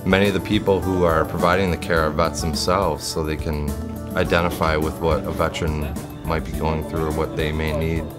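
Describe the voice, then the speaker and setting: A healthcare worker speaking earnestly about serving veterans. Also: male voice, extremely low pitch, flat delivery, fairly quick. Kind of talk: interview clip. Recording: loud music under.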